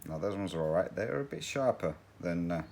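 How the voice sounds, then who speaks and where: A very deep-voiced man chats while he stitches, in a loose, rambling way. He laughs often and drifts off topic. A faint hiss of noise sits under his voice. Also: expressive, brisk, vocal fry, darkish tone. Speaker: cross-stitch channel host. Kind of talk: casual chat while stitching.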